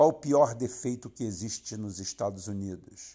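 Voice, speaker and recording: This man has a medium-pitched voice with a dark, mellow tone. The recording is very clean, with a silent background. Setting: home, sitting on the sofa in the dark, late at night. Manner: fiery, indignant, emphatic, repeating words for force.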